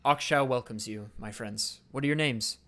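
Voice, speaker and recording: Man as weary priest-leader NPC in a tabletop game; courteous, formal, a little louder than the narration. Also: medium pitch, normal speed, close to an everyday voice. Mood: welcoming. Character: weary kindly male town priest and leader.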